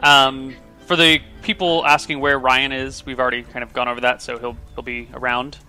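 Bright-voiced American man running a game. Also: mid-range voice, brisk, soft background music. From United States. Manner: relaxed, chatty, thinks aloud with ums. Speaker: game master. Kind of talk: livestreamed tabletop game chat.

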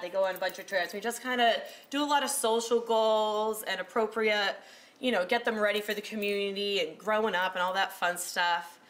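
A woman in her thirties giving a casual talk as a recreational therapist, loud-voiced and chatty with lots of fillers. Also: medium pitch. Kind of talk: casual talk to a small audience. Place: room with a presentation screen.

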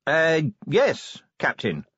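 Guy playing a jittery respectful constable giving his report, higher voice, bit husky, audiobook. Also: huge pitch swings, extremely slow, a bit bright, no room sound, lo-fi sound, full character voice. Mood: nervous, reporting. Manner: hesitant, respectful. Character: nervous, deferential male constable. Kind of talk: audiobook character voice.

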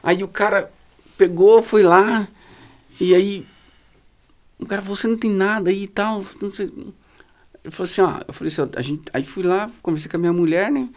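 A man with a Brazilian Portuguese accent, a pastor telling stories as a podcast guest in slangy, animated casual talk full of fillers. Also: high voice, fairly quick, long pauses. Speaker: guest, pastor running a social project. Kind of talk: casual storytelling in a podcast conversation.

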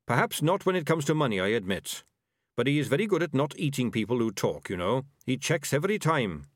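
A man voicing a gentle, thoughtful male rat in a storybook, speaking in a kindly, reflective and deferential way. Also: medium pitch, sing-song, a little fast, no room sound, studio quality, voice pushed up. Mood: mild, reasoning.

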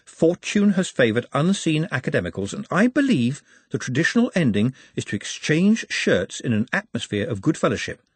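Here is a gentle-mannered orc, all formal courtesy and exact reckoning, speaking a touch higher than the teller's usual voice, as a man puts him on. The tone stays slightly husky and close, with no room around it. He sounds calmly menacing. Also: moderate pace, hardly any pauses, no room sound. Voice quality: formal, polite, pedantic phrasing. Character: courteous, precise male orc, menacingly calm.

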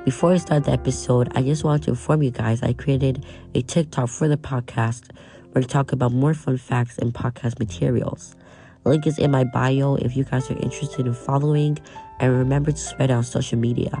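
A man's voice: medium pitch, steady tone, fairly quick, warm tone, soft background music. A young man from Nigeria with an American accent, reading a scripted history podcast as its host and stumbling over some names. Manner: reads from a script with frequent restarts on names.

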